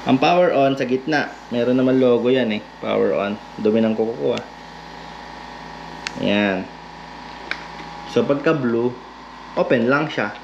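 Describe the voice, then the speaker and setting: A man's voice: mid-range voice, measured pace, gravelly, pauses often. A Filipino man hosting a vlog, chatting casually and jokingly while demonstrating a product in an informal, buddy-like way. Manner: jokey, informal, addresses listener as brother. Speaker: vlog host giving away and demonstrating a product. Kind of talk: casual chat and hands-on demonstration. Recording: noisy lo-fi recording with vehicle ambience.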